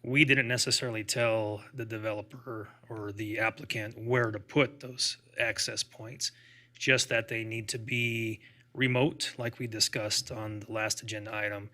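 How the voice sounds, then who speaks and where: Low, bright-toned man testifying. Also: little pitch movement, measured pace. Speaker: fire marshal. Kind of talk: formal public meeting testimony. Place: public meeting room.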